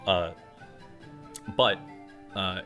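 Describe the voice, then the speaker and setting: A man narrating a tabletop roleplaying game as game master, improvising in a halting, conversational way as he thinks aloud. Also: deep voice, steady tone, bright, forceful tone. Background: music.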